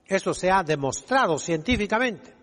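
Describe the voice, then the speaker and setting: An older man preaching a fiery Catholic homily, emphatic and scolding, with dramatic pauses. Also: sits high, animated, a bit bright. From Mexico. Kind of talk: fiery homily, exhorting the congregation. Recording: echoing hall with long reverb.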